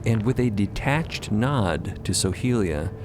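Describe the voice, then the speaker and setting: A man narrating audio fiction in a wry, deliberate, semi-improvised storytelling manner. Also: on the low side, expressive, over music.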